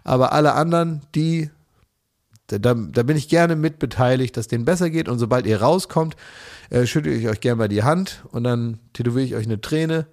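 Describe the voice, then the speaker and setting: A man's voice: medium pitch, moderate pace, darkish tone. Rambling, ironic male podcast host. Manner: ironic, rambling storytelling with many restarts. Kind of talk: casual chat.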